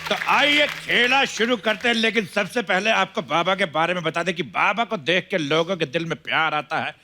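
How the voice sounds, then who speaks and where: Man doing a swaggering male Baba, mock-formal rhymes, high pitch, bright tone. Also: moderate pace, some chatter behind, slight background noise, full character voice. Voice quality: rhyming, mock-formal patter. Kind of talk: comedy sketch.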